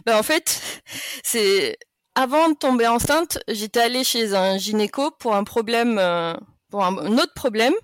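A woman's voice: on the high side, expressive, unhurried, no echo, clean studio sound. A woman in her late thirties from France, a podcast guest chatting casually and laughing often between sentences. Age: 30s. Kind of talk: casual interview chat.

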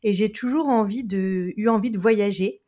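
A woman's voice: mid-range voice, moderate pace, dark tone. A woman from France, a lawyer, chatting as a guest in an interview, laughing often and restarting her sentences. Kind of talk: casual interview chat.

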